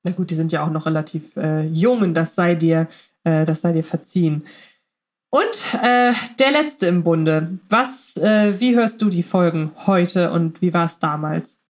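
A woman's voice: fairly low pitch, a little slow. A woman hosting a podcast, putting questions to guests in a conversational way. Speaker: podcast host. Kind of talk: conversational interviewing.

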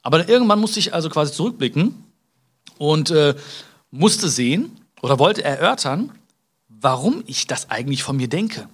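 A man's voice: a little high, big pitch swings, normal speed, breathy edge. A man from Germany hosting a casual self-help podcast, talking straight to the listener with frequent tag questions, fillers and restarts. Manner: hesitant restarts and filler sounds. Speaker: podcast host.

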